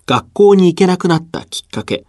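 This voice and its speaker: A man presenting a radio program in a smooth, clear announcing manner. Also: high voice, lively intonation, a little fast, no room sound. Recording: dry studio voice over soft guitar.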